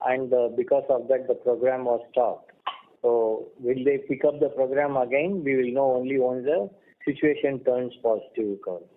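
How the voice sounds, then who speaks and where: A man with an Indian accent answering analysts as a company executive on an earnings call, explaining in a halting way. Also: medium pitch, fairly even intonation. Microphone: telephone conference line. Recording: muffled phone-line conference call audio.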